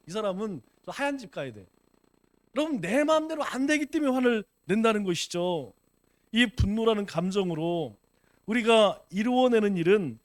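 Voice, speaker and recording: A male pastor gives a sermon in a high, lifted voice, turning constantly to his congregation with rhetorical questions. His talk is conversational rather than formal. The recording is dry, with little room sound. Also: no room sound. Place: church.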